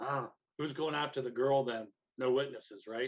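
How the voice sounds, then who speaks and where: Using a put-on character voice, a man speaks in a raspy, medium-pitched tone at a moderate pace with fairly even intonation. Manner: sarcastic, dry.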